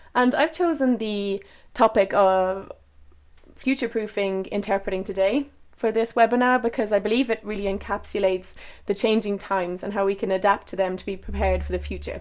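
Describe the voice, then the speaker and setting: A fairly quick-paced woman with a slight Irish accent, medium pitch and ordinary pitch variation. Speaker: interpreter and webinar presenter. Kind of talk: webinar presentation. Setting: online webinar.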